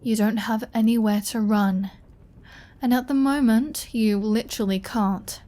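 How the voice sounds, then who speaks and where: Female vampire played by a woman, unhurried delivery, flirty and sardonic, playfully bossy, for intimate roleplay audio drama. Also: fairly high pitch, fairly even intonation, dark tone, lightly acted. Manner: playful, teasing, dry, bossy.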